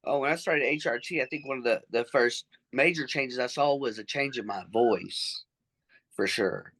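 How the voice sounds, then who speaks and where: A man's voice: mid-range voice, moderate pace, a bit bright, no room sound. A trans man speaking earnestly and reflectively as an interview guest, with frequent fillers. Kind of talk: casual conversational interview.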